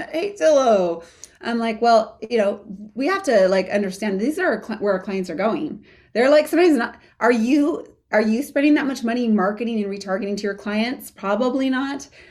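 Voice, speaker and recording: A woman with an unremarkable speaking voice and a fairly high pitch talks at a moderate pace with lively intonation. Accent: American. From Riverside, California. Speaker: real estate team leader. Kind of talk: interview.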